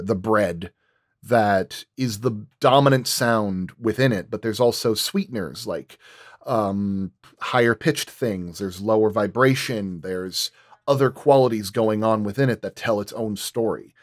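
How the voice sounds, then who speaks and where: A man's voice: fairly low pitch, measured pace, dry recording, studio quality. A man speaking as a sound designer in a roundtable, thinking aloud and repeating and rephrasing as he explains his craft.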